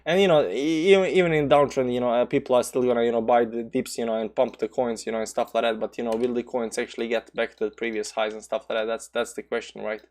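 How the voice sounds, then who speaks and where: A man's voice: mid-range voice, fairly even intonation, quick pace, hardly any pauses, darkish tone. Rambling Balkan-accented man streaming crypto charts. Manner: rambling, many fillers and restarts; reads chat aloud and answers. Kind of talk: casual live chart commentary.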